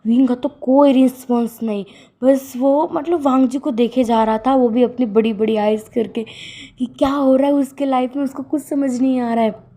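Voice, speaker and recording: A woman's voice: sits high, steady tone, normal speed, warm tone. A woman casually narrating a romance fan fiction story, chatty and full of fillers.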